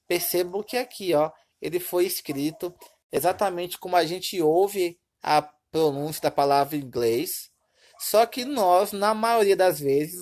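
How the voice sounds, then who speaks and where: A woman's voice: deep voice, a little mellow. A woman from Brazil teaching a recorded Portuguese lesson, explaining step by step and often checking in with her students. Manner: explanatory, repeats points with "tá bom?" checks.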